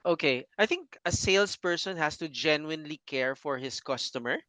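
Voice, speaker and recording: A man's voice: on the high side, expressive, normal speed, sharp tone, no room sound. A man, a banking guest earnestly explaining sales in a casual interview.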